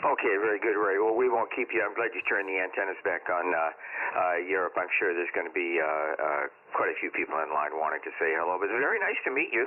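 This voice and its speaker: A man talks at a very fast pace with very even loudness over noticeable background noise. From New England. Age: 70s. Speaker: amateur radio operator. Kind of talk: ham radio contact. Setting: radio contact. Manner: halting, many fillers.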